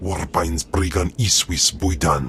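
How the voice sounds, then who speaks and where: A man growls in a put-on character voice that is very deep and low. He goes at a fairly slow pace over clear background noise. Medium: video game.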